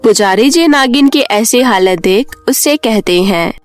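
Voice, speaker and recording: Female storyteller, high voice, scripted narration over background music. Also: animated, unhurried.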